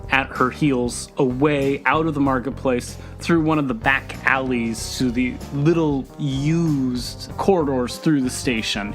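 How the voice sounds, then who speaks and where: Medium-pitched man narrating as game master. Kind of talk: narrating a tabletop game scene.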